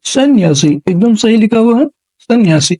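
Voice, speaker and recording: In a classroom lesson, a Hindi exam-prep teacher works through multiple-choice spelling questions, reading each option aloud, repeating words, and naming the correct answer. The voice is mid-range, expressive, and dark in tone, at a moderate pace. The recording is dry.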